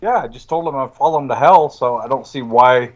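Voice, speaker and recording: A man's voice: medium pitch, fairly quick, dull audio. A man playing a tabletop roleplaying game, chatting casually and improvising in character.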